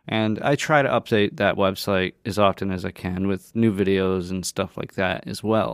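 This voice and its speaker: With a plain, everyday voice, a man speaks at a moderate pace and fairly low pitch with ordinary pitch variation, recorded dry with no echo against a quiet background. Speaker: podcast host. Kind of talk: podcast intro. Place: studio.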